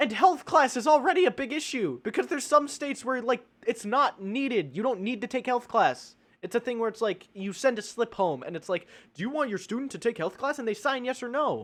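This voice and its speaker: Loud and animated, a man with an extremely high pitch talks at a fairly quick pace on a very clean recording with a silent background. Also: lively intonation. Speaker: gaming streamer. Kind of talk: livestream rant. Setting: livestream.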